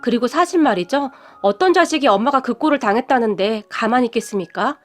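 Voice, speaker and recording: A woman's voice: on the high side, animated, quick pace. A woman telling a true-life story in the first person, in an earnest, dramatic scripted narration. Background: faint music.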